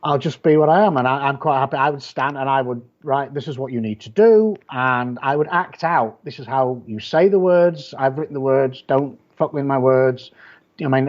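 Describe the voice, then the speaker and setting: A Yorkshire man who writes and publishes horror chats as an interview guest, his Yorkshire English accent carrying a blunt, rambling style with many restarted sentences. His voice is medium-pitched and darkish, and the sound is lo-fi.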